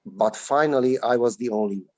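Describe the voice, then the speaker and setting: A man, a native Hungarian speaker and actor, answering slowly in a webinar interview over a video call, with many drawn-out fillers. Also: medium pitch, dry recording, rough recording. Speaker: film actor, guest.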